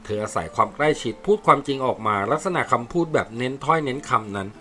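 A man reading a war novel aloud as narrator, with steady storytelling. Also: mid-range voice, fast, faint music behind. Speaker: audiobook narrator.

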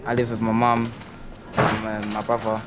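Flat low-key young man. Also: unhurried, very noisy. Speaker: student sailor. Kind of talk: documentary interview.

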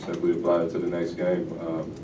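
A young college player answers calmly and matter-of-factly at a press conference. His voice is deep and almost flat. The mic sits at a distance in an echoey, noisy room. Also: brisk. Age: young adult. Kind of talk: post-game press conference. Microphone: table microphone.

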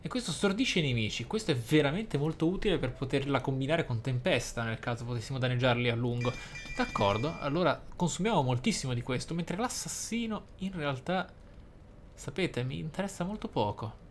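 A man's voice: medium pitch, expressive, a little fast. Wordy man over background noise. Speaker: video game let's player. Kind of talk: game commentary, reading skill descriptions aloud.

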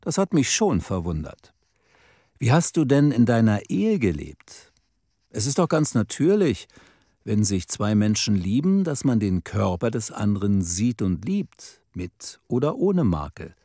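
An earnest man pleading softly, as a narrator reads him, dark and mellow in tone. His pitch moves a lot, and the recording is dry and close. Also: sing-song, a little slow, slightly rough, dry recording, exaggerated voice. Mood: pleading, gentle. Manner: pleading, gentle.

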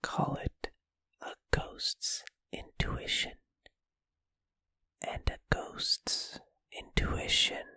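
A performer plays a bashful, friendly ghost in a whispered ASMR roleplay. The delivery is very slow, breathy and tender, with hesitant, intimate phrasing. It is recorded close and dry. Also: mid-range voice, fairly bright tone, no echo. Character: shy, gentle, lovestruck friendly ghost. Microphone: close microphone, dry.

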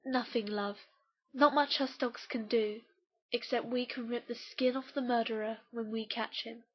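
A woman's voice: a little high, fairly even intonation, measured pace, breathy edge, highs cut off. A woman with a British accent playing a protective, tender but vengeful mother dog in an animation audition. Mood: subdued, grimly tender.

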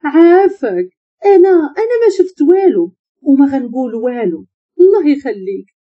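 A woman with a Moroccan accent voicing a frightened young woman psychiatrist, pleading through tears in a husky voice. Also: sits high, big pitch swings, a little fast, full character voice. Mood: sobbing, pleading. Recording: muffled lo-fi recording.

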